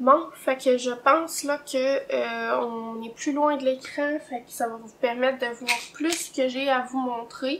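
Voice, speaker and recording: Against noticeable background noise, a high-pitched woman speaks at a very slow pace with hardly any pauses, fairly even intonation, and big swings in loudness. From Quebec, Mauricie. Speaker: knitting designer and podcaster. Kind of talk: casual knitting podcast chat. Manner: hesitant with many fillers.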